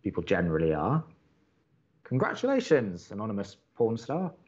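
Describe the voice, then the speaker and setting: An upbeat young college radio co-host in a romantic comedy podcast. He is chatty, wry and earnest, with a lively, moving pitch. The sound is slightly muffled. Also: moderate pace, husky, full character voice. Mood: wry, awkward. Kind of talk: romantic comedy audio drama dialogue.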